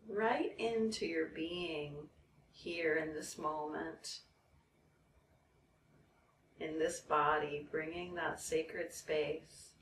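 A woman leading a guided meditation in a soothing, measured way, leaving long pauses between phrases. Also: low voice, a bit bright. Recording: roomy, distant mic, background noise.

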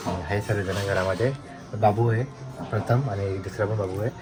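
A man's voice: fairly even intonation, a little fast, over music. Chatty man vlogging at home. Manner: chatty, talks to baby in high sing-song voice. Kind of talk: casual vlog narration.

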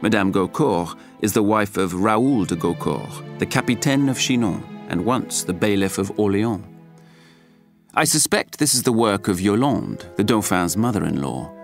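A reflective storyteller of a medieval French court. His lowish voice gives measured, descriptive narration for an audio drama, with a wry edge and clear music underneath. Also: expressive.

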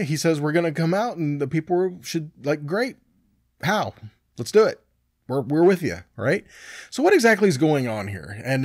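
A man in his forties teaching scripture in a conversational, animated sermon style. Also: medium pitch, no room sound, studio quality. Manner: conversational, animated, frequent "right?" and "okay?" tags. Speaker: Bible teacher.

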